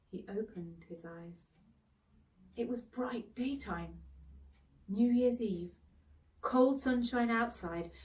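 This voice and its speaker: A woman narrating a storybook expressively, with dramatic, deliberate phrasing. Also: medium pitch, a little mellow, far from the mic, rough recording.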